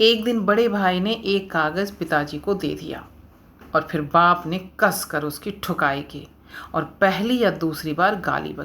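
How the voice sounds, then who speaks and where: A plain, everyday voice from a woman, pitched fairly low and varying its pitch in an ordinary way. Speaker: author, actor, folk singer and storyteller. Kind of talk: relaxing bedtime-style story narration. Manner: calm, soothing.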